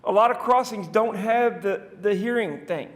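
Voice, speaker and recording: A man's voice: sits high, moderate pace. A man giving public comment at a council podium microphone, conversational and rambling with restarts. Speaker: citizen speaker at council meeting. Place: council chamber. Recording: reverberant council chamber.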